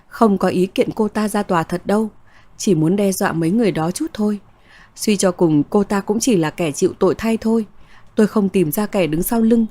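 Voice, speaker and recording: Mellow woman narrating a story. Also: medium pitch, no echo. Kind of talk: first-person story narration.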